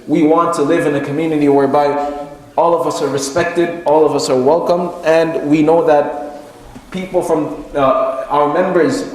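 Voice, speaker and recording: A man's voice: a little high, a little mellow. A man giving a sermon as a Muslim preacher, teaching in a didactic way with repeated phrases and rhetorical questions for emphasis. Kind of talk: sermon, lecture to a congregation. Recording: very echoey hall with long reverb.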